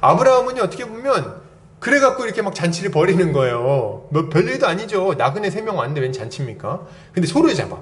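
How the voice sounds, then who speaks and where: Male pastor in his thirties, high, animated preaching voice, storytelling style. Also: fast. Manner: lively storytelling with rhetorical questions. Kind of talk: sermon.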